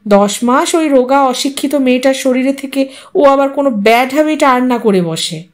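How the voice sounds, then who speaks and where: A woman's voice: high-pitched, animated. A fretful, anxious young wife, read by a woman. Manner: fretful, speaks quickly and drops English words into her speech. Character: anxious well-off young wife, fussy and worried.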